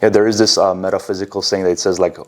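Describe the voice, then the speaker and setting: A man from Iran hosting a podcast, chatting in a relaxed, loose way with lots of fillers. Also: low voice, fast talker. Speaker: podcast host. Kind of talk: casual conversational interview.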